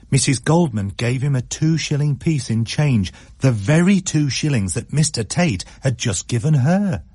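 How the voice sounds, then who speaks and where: A man reads a story aloud for radio, his voice husky and full of lively swings in pitch. He slows and quickens to shape each scene. The recording is dry and close. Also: no room sound. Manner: expressive, shifts pace for effect. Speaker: narrator.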